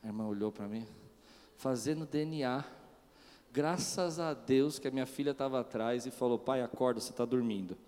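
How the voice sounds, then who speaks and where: A man preaching a sermon as pastor, moving from quiet storytelling to loud, shouted preaching. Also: medium pitch, normal speed, long reverb tail. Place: church.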